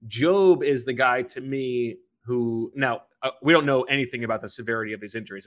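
A man's voice: mid-range voice, a bit bright. A man hosting a casual sports talk show, running through team injury news and explaining roster rules. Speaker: sports podcast host.

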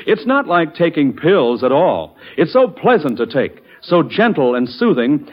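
A man reading a 1940s radio commercial as a polished, persuasive and emphatic announcer. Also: a little high. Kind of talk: 1940s radio ad read, smooth sales pitch. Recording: muffled old radio broadcast.

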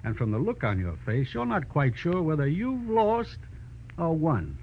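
A man's voice: on the high side, wildly swooping pitch, unhurried, heavily acted. Folksy, lilting old lawman. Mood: wry, amused. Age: older. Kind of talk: 1940s radio drama acting. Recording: muffled, noisy old radio recording.

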